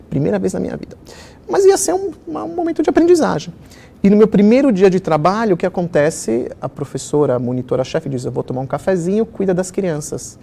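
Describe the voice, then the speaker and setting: A middle-aged man who was born in Israel, telling personal stories as a children's author in an animated conversational interview style, with many fillers. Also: high voice, vocal fry.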